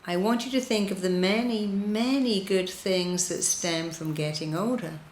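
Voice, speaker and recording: A woman leading a guided meditation in a soothing, deliberate manner, repeating gentle instructions with pauses. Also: mid-range voice, roomy sound. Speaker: guided meditation leader, hypnotherapist.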